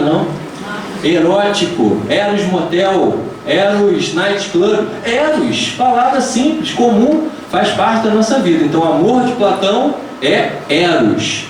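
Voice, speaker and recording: A fairly high-voiced Brazilian man gives a chatty, joking public talk and keeps putting questions to the audience. He sounds set back from the microphone in a very echoey hall, with noise audible behind him. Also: distant mic. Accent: Brazilian Portuguese. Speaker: lecturer at a spiritist center. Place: lecture hall of a spiritist center, indoors.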